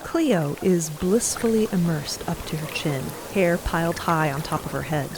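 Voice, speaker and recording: A woman's voice: low voice, normal speed, background noise. A woman narrating a scripted fiction podcast as one of its storytellers.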